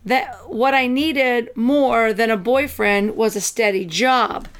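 A woman with a raspy voice hosting a casual podcast chat, reading out news headlines between remarks. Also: a little high, slow pace. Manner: reads headlines aloud, chatty with fillers. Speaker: podcast host.

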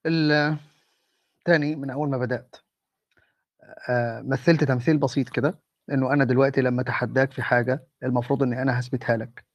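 An Egyptian man arguing for his faith in an online voice-room debate, talking softly and patiently, often stopping to ask for patience. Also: medium pitch, fairly even intonation, dry recording, muffled recording. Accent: Egyptian Arabic. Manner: measured, calls for patience, speaks softly. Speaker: Muslim debater.

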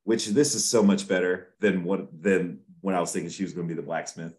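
Male podcast host, low voice, loose rambling delivery, casual episode recap. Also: a little fast, darkish tone. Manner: rambling, with frequent restarts and fillers.

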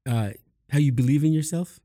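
A man hosting a casual chat, explaining mindset habits in an upbeat, quick way. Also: fairly high pitch, dark tone. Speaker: host and mindset coach.

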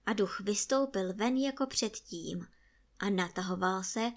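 A woman calmly reading a fairy tale aloud as a storyteller. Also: mid-range voice. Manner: calm, even storytelling.

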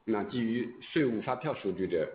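A male executive answering on an earnings call in a deliberate, halting way. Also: on the low side, expressive, slight background noise. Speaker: company executive answering questions. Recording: thin phone-like conference line.

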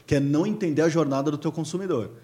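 A man's voice: a little high, racing. A man, explaining marketing in casual chat and acting out little dialogues as he goes. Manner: animated storyteller acting out dialogues.

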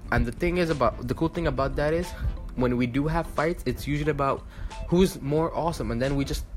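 A man's voice: on the high side, fairly quick, faint music behind. A man in his twenties from the United Arab Emirates, talking casually to camera with lots of fillers and restarts. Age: 20s. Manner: rambling, filler-heavy, restarts often. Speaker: vlogger.

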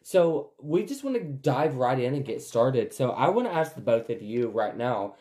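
Male podcast host, 20s, mid-range voice, casual, candid and animated storyteller. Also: medium pitch, moderate pace. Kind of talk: casual personal chat.

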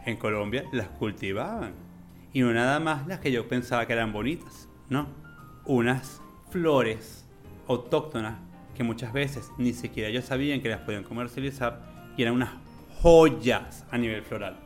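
Man, mid pitch, gushing interview storyteller, faint music behind. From Venezuela. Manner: enthusiastic, animated, drawn-out emphasis. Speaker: interview guest, florist. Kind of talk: conversational storytelling.

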